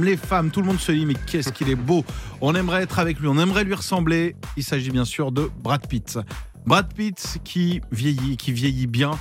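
Upbeat male radio host, high voice. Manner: lively, playful, chatty, laughs easily. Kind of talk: upbeat radio game show patter.

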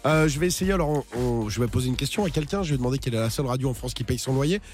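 A man's voice: medium pitch, animated, darkish tone. A male radio host joking through studio banter, running a call-in game while losing his voice. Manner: joking, fast-talking.

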